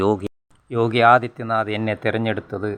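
In a dry, close sound with no echo, a man with a fairly low pitch speaks in a monotone, flat intonation. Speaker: YouTuber and local political commentator. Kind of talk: political rant monologue to camera.

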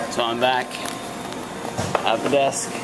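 A man talks over noticeable background noise. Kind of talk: casual vlog chat. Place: hall. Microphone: phone near.

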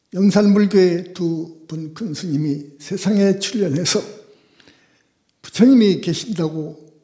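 Speaking at a very slow pace against a quiet background, a man with a high pitch and a dark, mellow tone shows ordinary pitch variation. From South Korea. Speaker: Buddhist monk giving a sermon. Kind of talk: Buddhist sermon / Dharma talk. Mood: calm, earnest. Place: hall. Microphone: studio mic.

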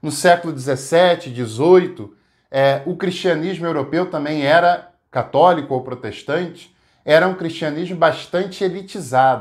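Against a quiet background, a man with a fairly high voice speaks at a fairly slow pace with ordinary pitch variation. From Brazil. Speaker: theology teacher and YouTuber; theology teacher, YouTuber. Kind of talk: educational talk to camera. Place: home room.

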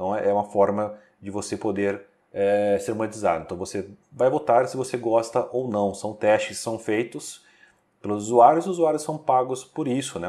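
With a Brazilian accent, a man speaks at a moderate pace in a medium pitch with a dark, mellow tone. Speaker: YouTube tutorial host. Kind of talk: sales pitch, promotional tutorial. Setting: screen-recording voiceover. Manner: casual and conversational, with filler words.

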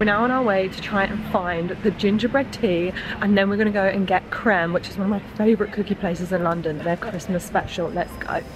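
Against noticeable background noise, a woman talks at a fairly quick pace with hardly any pauses. Her intonation stays fairly even. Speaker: food vlogger. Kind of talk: casual vlog chat. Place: street. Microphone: earbuds.

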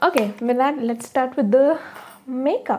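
The pitch of a woman's talking varies in an ordinary way. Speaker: beauty vlogger. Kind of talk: casual vlog chat and tutorial. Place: home room. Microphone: lapel.

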